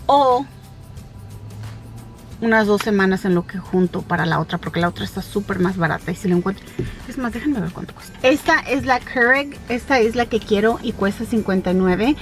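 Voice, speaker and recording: A woman's voice: mid-range voice, a little fast, faint music behind. A woman in her thirties, a vlogger chatting casually and directly to her viewers, slipping English phrases into her talk. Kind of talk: casual vlog chat. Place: home and car, Michigan.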